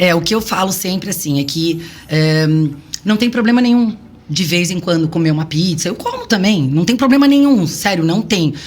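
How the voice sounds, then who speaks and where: Lively intonation marks a woman's fairly low-pitched voice at a moderate pace. There is noticeable background noise. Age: 40s. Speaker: physical educator and studio owner. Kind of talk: podcast interview.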